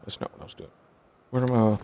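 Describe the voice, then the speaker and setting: A sleep-deprived man thinking aloud as he plays a puzzle game, muttering haltingly to himself in casual commentary. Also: on the low side, little pitch movement, mellow. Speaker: gaming video host. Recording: music behind the voice. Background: game music.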